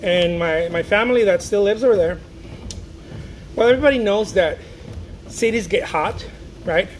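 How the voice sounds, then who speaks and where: A man's voice: high-pitched, moderate pace. A man from Mexico, an artist chatting casually on a livestream, rambling with many restarts and reading viewer comments aloud. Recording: noticeable background noise.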